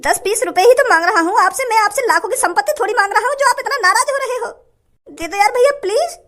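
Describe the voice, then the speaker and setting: A performer voicing a hungry young male beggar in a comedy skit, pleading and flattering. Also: very high voice, fast talker, pitched above the performer's own voice. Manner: whining, flattering pleas.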